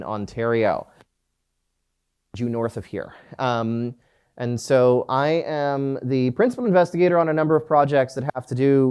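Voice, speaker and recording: A man's voice: medium pitch, a little mellow, smooth. A middle-aged man from Canada giving a live conference talk, joking at his own expense and often restarting with fillers. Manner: self-deprecating joking, many fillers and restarts. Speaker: conference presenter.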